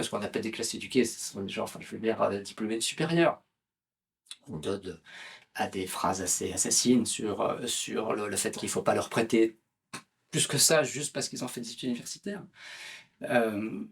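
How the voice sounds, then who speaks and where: Guy chatting in an interview, husky voice, lots of euhs and restarts. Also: medium pitch. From France. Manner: hesitant, many fillers and restarts. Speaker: author and political activist, interview guest. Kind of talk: conversational interview.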